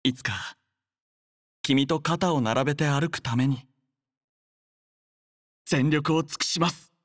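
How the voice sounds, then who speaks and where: A man voicing an earnest, devoted young male soldier in a game, speaking politely, softly and sincerely in a measured way. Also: a little high, no echo, studio quality. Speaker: voice actor. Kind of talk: acted game character voice lines.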